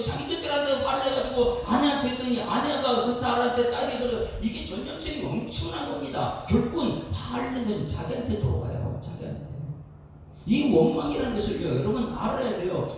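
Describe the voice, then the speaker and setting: Animated pastor preaching in an echoey hall. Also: male voice, very high-pitched. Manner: animated preaching with questions to the congregation. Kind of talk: expository sermon at a dawn prayer service. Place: church sanctuary. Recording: echoey hall, distant mic, faint noise.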